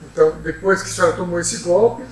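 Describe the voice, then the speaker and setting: A woman questioning a witness in court with measured, formal follow-up questions. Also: fairly low pitch, fairly even intonation, a little mellow. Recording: roomy courtroom from far off, faint hum.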